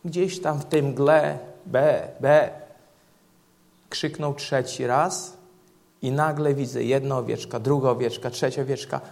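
A man with a gravelly, creaky voice preaches a sermon at a church service. He retells short scenes in vivid detail to drive home his points. His pitch sits at an ordinary middle height, and his delivery is earnest and measured. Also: steady tone. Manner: illustrates points with vivid retold stories.

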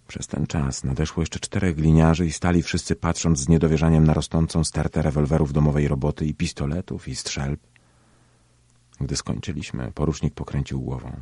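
A man reading a first-person story aloud in a steady, measured way. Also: very deep voice, husky, dry recording. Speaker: audiobook narrator.

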